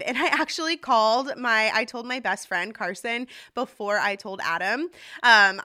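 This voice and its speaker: A woman's voice: mid-range voice, pushed and bright. A woman in her thirties hosting a casual solo podcast, talking in a chatty, confiding way with many restarts and asides. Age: 30s. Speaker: podcast host.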